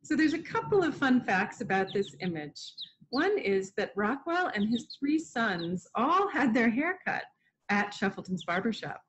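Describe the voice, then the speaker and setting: High-voiced middle-aged woman on a video call. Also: sing-song, measured pace, a little hiss or hum. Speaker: museum educator hosting an online art lesson. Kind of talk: informal educational presentation to children. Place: room at home. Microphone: computer mic on a video call. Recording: dull, lo-fi video call audio.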